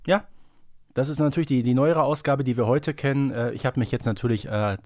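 A man's voice: medium pitch, fairly even intonation, fairly quick, a little mellow, dry recording. Musing man, close dry sound. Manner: musing, thinking aloud. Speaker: podcast co-host. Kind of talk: casual fan podcast discussion.

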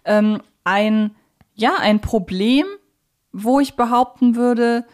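A woman's voice: fairly high pitch, slow pace, a little mellow. Enthusiastic German woman hosting a podcast. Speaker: podcast host. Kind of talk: conversational fan podcast discussion.

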